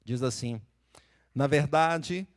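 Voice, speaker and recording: A man's voice: mid-range voice, slow. A man with a Brazilian Portuguese accent, preaching a sermon as pastor in a church and acting out quoted voices as he tells the stories. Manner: lively storytelling, acts out quoted voices.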